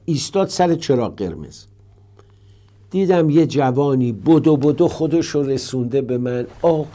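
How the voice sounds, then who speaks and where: An older man hosting a call-in talk show, answering callers earnestly and telling stories. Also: mid-range voice. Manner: warm, storytelling, earnest.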